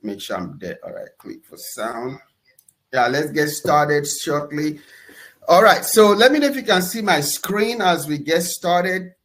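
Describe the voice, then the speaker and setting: A man with a Nigerian accent hosting a live webinar, energetic and enthusiastic, often pausing on "uh" and ending points with "okay?". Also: fairly high pitch. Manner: energetic, enthusiastic shout-outs; fillers and repeated "okay?". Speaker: webinar host.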